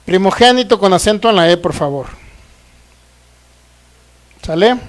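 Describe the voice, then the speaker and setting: A man from Mexico preaching a sermon, reading scripture aloud slowly and often checking that the congregation understands. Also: high voice, lively intonation. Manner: asks the congregation frequent check questions. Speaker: pastor. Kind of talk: sermon, Bible teaching.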